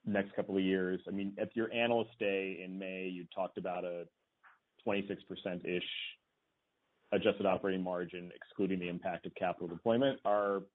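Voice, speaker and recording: Deep-voiced male analyst on a phone line. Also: level tone, fairly quick. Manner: hesitant, filler-heavy questioning. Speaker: financial analyst. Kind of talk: earnings call questions.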